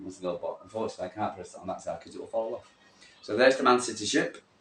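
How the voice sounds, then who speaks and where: A man with a Mancunian accent talks at a very fast pace. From Manchester, England. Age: 60s. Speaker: vlogger, football fan. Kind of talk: casual monologue to camera.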